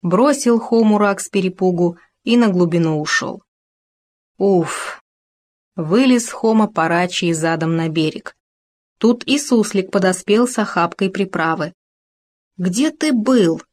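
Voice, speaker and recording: A woman narrating a children's story in a lively, expressive reading voice. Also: fairly low pitch, moderate pace.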